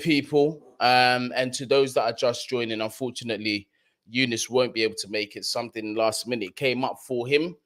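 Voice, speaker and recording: A young Londoner with a London accent hosts a live football stream, chatting in slangy, casual talk and often repeating his points. His mid-range voice is a bit bright.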